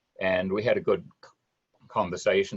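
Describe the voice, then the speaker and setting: The speaker is male. His speech carries a non-native accent. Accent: non-American, foreign. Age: 80s+. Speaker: business coach, former corporate executive. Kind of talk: interview answer.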